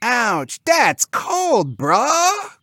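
Man putting on a squeaky, excitable bro-talking cartoon pig. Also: very slow, exaggerated voice. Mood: whiny, let down. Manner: bro-slang, whiny, excitable. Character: immature, girl-crazy young male cartoon pig brothers.

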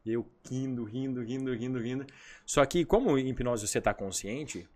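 A man's voice: mid-range voice, normal speed. A man who works as a hypnotherapist, guest on a podcast, telling stories animatedly and acting out the dialogue in casual chat. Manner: animated storyteller, acts out dialogue.

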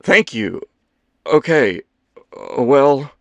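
A man's voice: medium pitch, big pitch swings, drawn-out words, vocal fry, no room sound, pitched above the performer's own voice, full character voice. A man playing an anxious, well-meaning, awkward man in an audiobook, stammering, hesitant and backtracking. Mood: downcast. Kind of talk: audiobook character dialogue.

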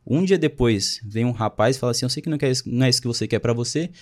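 A young man in his twenties tells his own story in a relaxed, slangy way and keeps quoting other people's words. He talks quickly at a middle pitch. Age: 20s. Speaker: guest telling his story. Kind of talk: casual chat.

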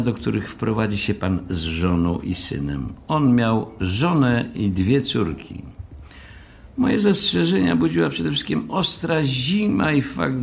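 An actor playing a pedantic, haughty hotel manager who speaks in a formal, fussy, long-winded way in an audio drama. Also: male voice, mid-range voice, creaky.

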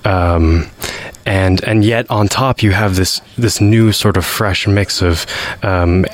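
A man's voice: low voice, slow. A young man as a radio guest, hesitant and stammering, often restarting his sentences with small laughs. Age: young adult. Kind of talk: casual interview.

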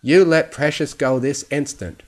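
An elderly stallion from a storybook as a man reads him, calm and kindly. He speaks in a measured, conversational way with quiet authority. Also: fairly low pitch, natural voice. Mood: stern. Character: calm, stern but kindly old male pony.

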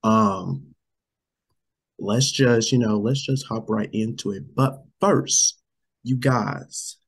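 Sick guy co-hosting a chat show, slow draggy talk, rough husky throat. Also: lowish voice. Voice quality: gravelly, husky. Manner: rambling, repeats "you guys" often. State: sick, losing his voice. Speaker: podcast co-host.

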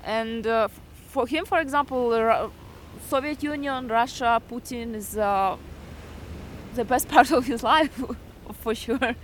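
Young woman from Kyrgyzstan, fairly high voice, hesitant and laughing, faint street noise behind. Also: unhurried. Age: 20s. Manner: hesitant, laughs often, self-correcting. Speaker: interviewee. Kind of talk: casual interview answers.

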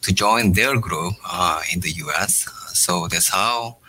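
Man, middle-aged, from South Korea, native Korean speaker, halting with many fillers, very bright sharp tone, faint background noise. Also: low-pitched, poor audio. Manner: halting, many "uh" fillers between short phrases. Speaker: startup founder, guest. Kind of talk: interview answers.

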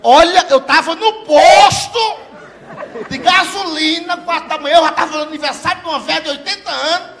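A middle-aged man tells a story on a comedy stage, laughing and often shouting as he acts out the people in it. His voice sits very high and bright with a gravelly rasp. A faint crowd and some noise come from the live room. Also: brisk. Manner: loud, laughing, animated, profane, slips into shouted voices for characters. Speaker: stand-up comedian.

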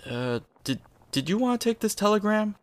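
A man's voice: sits high, big pitch swings, normal speed. An actor playing an awkward, timid telegram delivery man, hesitant and polite, in a comedic audio drama.

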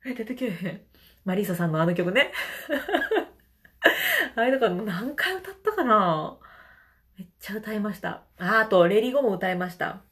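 A woman's voice: expressive, moderate pace, pauses often, a bit bright. A middle-aged woman with a Kansai accent, a vocal trainer chatting and laughing often on a casual livestream voice lesson. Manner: chatty, laughs often, demonstrates falsetto vowels.

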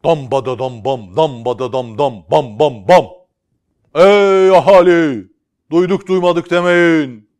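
A man voicing a loud male town crier who bellows a royal announcement with drawn-out calls and mouth-made drum beats. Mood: booming announcement. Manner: booming, drawn-out calling with drum sounds.

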